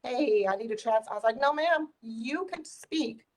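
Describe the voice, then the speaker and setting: A woman's voice: on the high side, moderate pace. A middle-aged woman, a native Spanish speaker, telling stories in a casual, conversational way and acting out quoted dialogue. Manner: animated retelling with quoted dialogue. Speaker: community volunteer sharing life stories.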